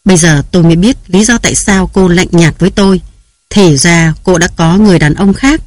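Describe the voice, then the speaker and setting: Guy voicing a jealous bully husband, harsh and shouty, high-ish voice, dry sound. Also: brisk, no echo, lightly acted. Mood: furious. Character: jealous, domineering young husband shouting threats.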